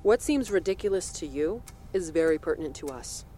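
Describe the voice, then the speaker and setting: A woman playing a senator who questions a witness in measured, probing tones in an audio drama. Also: low voice, lively intonation, mellow, a little hiss or hum. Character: cool, secretive female senator interrogator.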